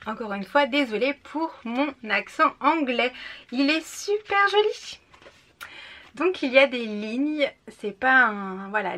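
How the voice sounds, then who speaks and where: Young woman, native French speaker, casual unboxing vlogger, fairly high voice, chatty and enthusiastic with fillers. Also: fairly bright tone. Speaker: book vlogger.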